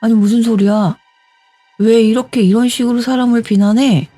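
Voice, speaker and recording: A woman's voice: on the high side, fairly even intonation, moderate pace, soft background music, voice pushed up, close to an everyday voice. A woman voicing an agitated old war veteran. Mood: angry. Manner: shouting, demanding. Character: elderly male war veteran, agitated and insistent.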